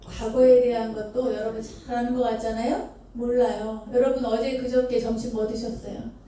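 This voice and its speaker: A Buddhist nun from Chungcheong tells a story to her temple congregation in a fairly high, mellow voice. She keeps asking the listeners questions. She was recorded from across a very echoey hall, with faint noise underneath. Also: moderate pace, far from the mic. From Chungcheong Province, Korea. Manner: lively storytelling, asks the audience questions. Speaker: Buddhist nun giving a dharma talk. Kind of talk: storytelling sermon. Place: temple dharma hall with an audience.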